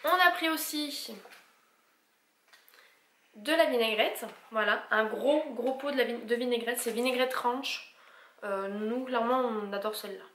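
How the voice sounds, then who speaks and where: In a casual haul vlog recorded in an echoey room with faint background noise, a woman lists her purchases and prices, stumbling on English brand names. She speaks unhurriedly in a slightly high, somewhat bright voice, leaving long pauses.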